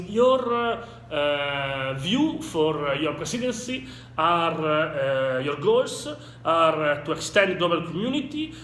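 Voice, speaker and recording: A man who is not a native English speaker conducts an interview haltingly, searching for words. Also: a little high, fairly bright tone. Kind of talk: interview questions. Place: echoey indoor room at a conference. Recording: echoey room with background noise.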